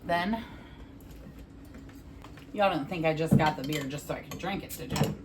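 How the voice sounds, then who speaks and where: A woman's voice: low-pitched, normal speed, noisy background. A woman in her forties hosting a cooking vlog, chatting candidly and casually to the camera in a conversational way. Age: 40s.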